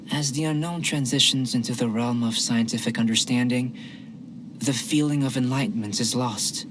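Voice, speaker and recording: An actor playing a calm, curious young male alchemist in a video game, speaking formally and precisely. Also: mid-range voice, close to an everyday voice. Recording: game music behind the voice.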